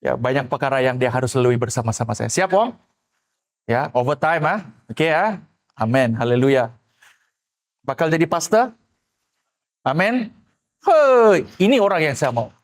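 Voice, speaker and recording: A male pastor preaching a sermon, swinging between loud exclamations and quiet asides and acting out the people he quotes. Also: medium pitch, expressive, measured pace, long pauses.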